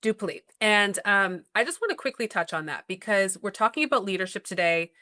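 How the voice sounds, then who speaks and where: A woman's voice: medium pitch, expressive, brisk, pushed and bright, dry recording, clean studio sound. A woman hosting a podcast conversation, upbeat and steering the talk along. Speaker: podcast host, school principal.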